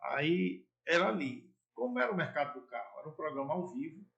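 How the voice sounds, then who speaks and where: Middle-aged guy telling stories, gravelly voice, pitched a bit high, jumps loud and soft, playful. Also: brisk, highs cut off. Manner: playful, animated storyteller with jumps in loudness. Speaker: former sports broadcaster and TV presenter. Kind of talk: casual storytelling interview.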